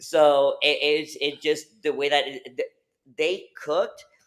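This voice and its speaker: Speaking with a Puerto Rican accent, a man goes at a very slow pace. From Puerto Rico. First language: Spanish. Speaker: karate instructor. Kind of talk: interview answer.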